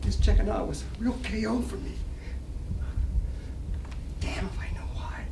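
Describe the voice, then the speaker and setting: A man's voice: high voice, steady tone, unhurried, creaky, in a whisper. Echoey, distant man acting a wisecracking small-time gambler. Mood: bitter grief. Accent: American. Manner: slangy, wisecracking. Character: down-on-his-luck, boastful small-time New York gambler, wistfully grieving. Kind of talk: staged dramatic reading of a play. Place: library reading room. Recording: distant mic, echoey room, noisy.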